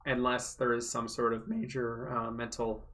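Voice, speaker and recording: A man hosting a casual livestream from home, answering viewer questions and thinking aloud with many fillers, his voice going hoarse from talking so long. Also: medium pitch, flat delivery, moderate pace, noisy background. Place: home room.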